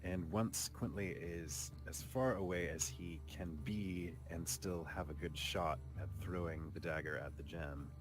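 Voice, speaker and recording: A man playing a tabletop roleplaying game, thoughtfully narrating his character's actions and speaking in character, in a measured, hesitant way. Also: low-pitched, fairly even intonation. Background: background music.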